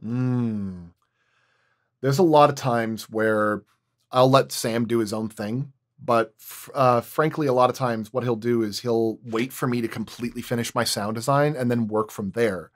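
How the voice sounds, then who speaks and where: A man's voice: medium pitch, measured pace. Man explaining his craft in detail. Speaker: sound designer, guest. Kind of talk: casual roundtable discussion.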